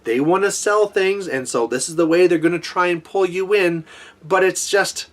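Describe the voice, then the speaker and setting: A man's voice: high-pitched, normal speed. A man giving a casual, rambling opinion rant to viewers as a hobby gaming vlogger, complaining in an exasperated, conversational way.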